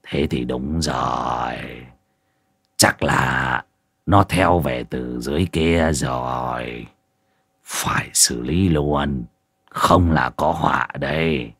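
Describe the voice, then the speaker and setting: A man playing a gruff, scolding old sorcerer. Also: low voice, lively intonation, normal speed, long pauses, no echo, studio quality, exaggerated voice. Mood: grim.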